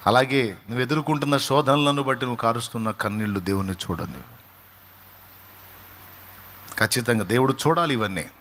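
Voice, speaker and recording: A man's voice: mid-range voice, fairly quick, long pauses, a bit bright, slight background noise. A male pastor delivering a sermon in an emphatic style, repeating phrases and asking rhetorical questions.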